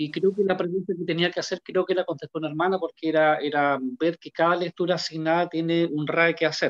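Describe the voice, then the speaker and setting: Flat, monotone intonation carries speech delivered fairly quickly. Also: man. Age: 40s. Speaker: student, pastor. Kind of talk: class self-introduction.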